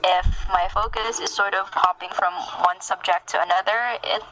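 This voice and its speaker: A woman's voice: medium pitch, fairly even intonation, normal speed, sharp tone, slight background noise, poor audio. A woman interviewing on a podcast in a casual, conversational way. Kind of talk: casual chat.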